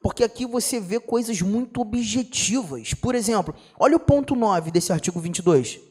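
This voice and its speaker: A young adult man with a Brazilian Portuguese accent giving an exam-prep law lecture, slangy and animated, constantly asking students rhetorical questions. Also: high-pitched, moderate pace, husky. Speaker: law teacher.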